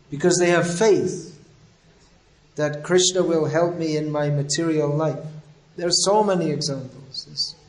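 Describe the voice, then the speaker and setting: A man's voice: a little high, echoey room, rough recording. A man, a spiritual teacher, giving a religious lecture that tells stories with quoted dialogue and scolds.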